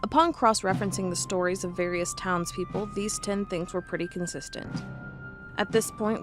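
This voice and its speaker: A woman's voice: on the low side, natural voice. A woman playing a wry, curious investigator who records a log and reads old case files in an audio drama.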